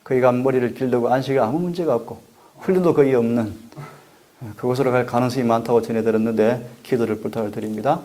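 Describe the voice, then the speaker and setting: A middle-aged man, a pastor, giving an earnest, measured sermon and asking the congregation for prayer. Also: medium pitch, fairly even intonation, dark tone.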